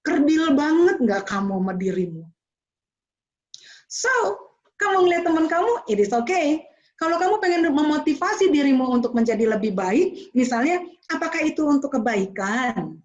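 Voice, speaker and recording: A woman giving a motivational talk to students, expressive and slipping into English phrases. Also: sits high, normal speed, highs cut off. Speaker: motivational speaker.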